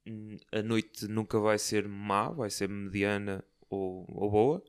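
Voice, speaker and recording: A man's voice: fairly low pitch, steady tone, takes it slowly, clear, resonant tone. A man in a casual podcast chat who rambles and keeps circling back to repeat his point. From Porto, Portugal.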